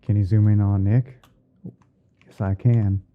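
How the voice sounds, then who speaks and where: A man hosting an ASMR livestream, narrating his editing step by step in an unhurried way, as if murmuring to himself while he works. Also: fairly low pitch, flat delivery. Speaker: streamer hosting a roleplay. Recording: muffled phone-like band-limited audio.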